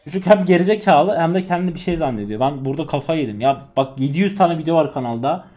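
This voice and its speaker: A young man giving live gameplay commentary, ranting in exasperation and swinging between loud yells and low grumbles. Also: expressive, fast talker. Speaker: gaming streamer.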